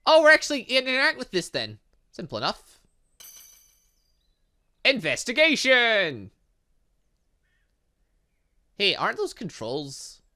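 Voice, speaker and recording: A man giving animated let's play commentary on a video game, reading dialogue aloud and adding sarcastic asides. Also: very high voice, slow, long pauses. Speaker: gaming channel host.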